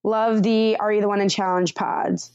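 A woman co-hosting a reality TV recap podcast in casual chat, laughing often and retelling scenes with animated quotes. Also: mid-range voice, moderate pace, muffled recording, crowd noise. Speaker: podcast co-host.

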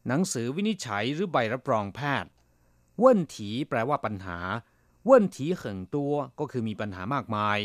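A man's voice: mid-range voice, fairly bright tone, no room sound, clean studio sound. A man teaching Chinese vocabulary on a radio lesson, explaining each word patiently and repeating it.

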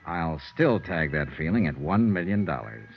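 Very low, steady private investigator narrating; expressive, old-broadcast sound. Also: male voice, normal speed, vocal fry, music in the background, full character voice. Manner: steady, reassuring, hushed when comforting. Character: tough but tender male private investigator. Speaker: narrator and lead. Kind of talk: 1950s radio drama narration. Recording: dull old radio broadcast, faint hiss.

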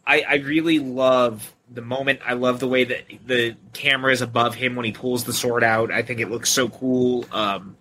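Bright-voiced man chatting about a film. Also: medium pitch, fairly even intonation, moderate pace, few pauses. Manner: enthusiastic, recounts scenes with quoted lines. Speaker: podcast co-host. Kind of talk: casual film discussion.

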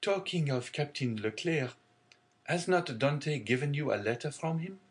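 A man's voice: fairly high pitch, expressive, unhurried, voice pushed up. A man doing a sly scheming ship's officer. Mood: insinuating.

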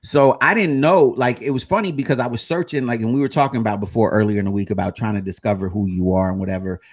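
A man on a podcast, telling stories in a relaxed way, full of fillers and laughing now and then. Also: medium pitch, fast talker, no room sound, studio quality. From New Mexico. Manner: laid-back, lots of fillers, laughs often. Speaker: podcast co-host. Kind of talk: casual storytelling chat.

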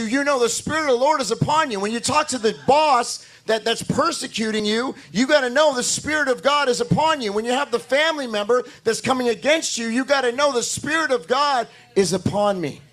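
A man preaching a sermon to his congregation with a hoarse voice, building emphasis through repetition and calling for amens. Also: very high voice, a little fast, fairly bright tone, poor audio. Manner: talks to the congregation directly, asking for amens. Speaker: pastor.

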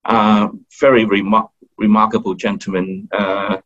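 Low voiced aussie guy, lots of uhs and restarts, kinda muffled recording. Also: little pitch movement, measured pace, a bit bright. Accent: Australian. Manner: hesitant, full of fillers and restarts. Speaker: guest. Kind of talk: casual interview talk. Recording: dull lo-fi recording.

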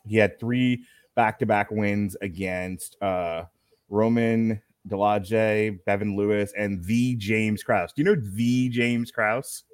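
A man's voice: lowish voice, steady tone, slow pace, no room sound, clean studio sound. A man hosting a live fight-night stream, chatting casually with jokey asides and frequent laughs. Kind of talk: casual live commentary chat.

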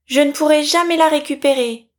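A woman voicing a pampered, spoiled young princess in a storybook reading, with a high, plaintive way of pleading. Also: expressive, normal speed. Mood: distressed.

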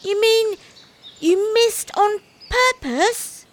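A woman voicing a curious, polite young boy in a small, high childlike voice. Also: animated, very slow, slight background noise, full character voice.

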